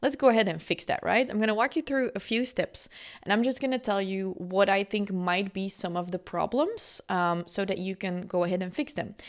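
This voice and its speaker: Fairly quickly and with a Flemish accent, a woman speaks on a very clean recording with a silent background. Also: medium pitch for a woman, ordinary pitch variation. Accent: Belgian Dutch (Flemish) accent in English. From Belgium. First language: Dutch. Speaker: business coach. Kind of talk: podcast monologue. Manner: casual, with frequent fillers.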